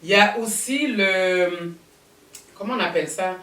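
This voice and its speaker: A woman hosting a casual panel chat, talking in animated, rambling bursts. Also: medium pitch, a little slow. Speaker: talk show host. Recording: roomy studio sound, mic at a distance.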